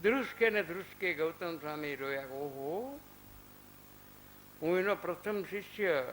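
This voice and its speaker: A man in his fifties delivers a religious discourse in an ashram hall, telling stories with quoted dialogue and rhetorical questions. His voice sits on the high side and is a bit bright, at a moderate pace. The low-quality recording has slight background noise.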